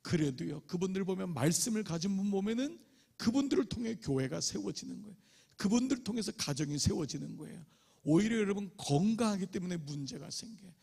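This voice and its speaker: A man's voice: high-pitched, expressive, fairly quick, vocal fry, a little mellow, breathy edge. A man preaching an emphatic revival sermon as a pastor in a church sanctuary, acting out quotes as he goes.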